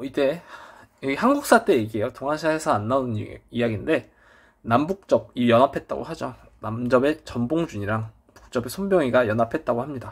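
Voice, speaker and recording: This man has an unremarkable speaking voice at a medium pitch, with ordinary pitch variation. He talks at a fairly quick pace. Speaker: history teacher. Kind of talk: lecture.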